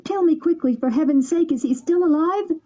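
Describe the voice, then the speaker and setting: A woman voicing a desperate, impulsive wooden boy puppet, pleading in a high tearful voice. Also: normal speed, warm tone, natural voice. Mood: eager. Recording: dull lo-fi recording.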